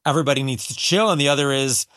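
A man's voice: mid-range voice, very fast, a bit bright, no echo, studio quality. A man, an entertainment reporter, explaining the story in casual chat with emphatic asides.

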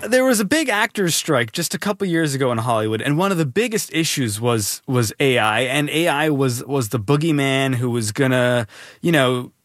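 A man hosting a news explainer podcast, asking animated, incredulous questions. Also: medium pitch, moderate pace. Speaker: podcast host.

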